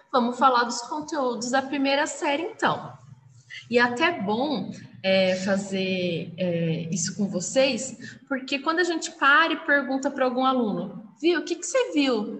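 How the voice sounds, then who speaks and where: High-pitched woman's voice with very wide pitch swings, a fairly slow pace and audible room echo. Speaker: school teacher. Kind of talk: online class lesson. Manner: animated.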